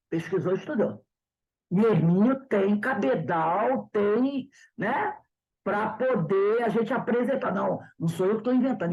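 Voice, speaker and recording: A Brazilian woman teaching a study group in a casual, storytelling way. Her voice is husky and mellow, and she acts out conversations with plenty of repetition. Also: mid-range voice, dull audio. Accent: Brazilian Portuguese. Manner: animated, retells dialogues with repetition. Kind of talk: casual class talk with storytelling.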